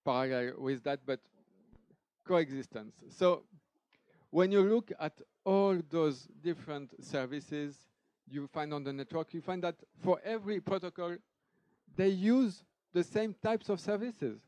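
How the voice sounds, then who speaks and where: A man with a French accent giving a technical conference talk, lively and conversational, with frequent restarts and asides. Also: fairly high pitch, a little slow, clean tone, dry recording, low-quality recording. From France. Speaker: conference speaker. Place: conference hall stage.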